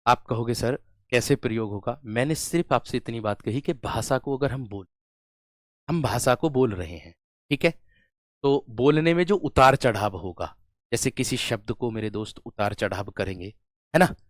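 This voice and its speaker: A man teaching a Hindi class, slowly repeating words, addressing students as friends, while running a fever. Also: medium pitch, dry recording, clean studio sound. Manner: slow, drawn-out repetition of words. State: has a fever. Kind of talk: online class lecture.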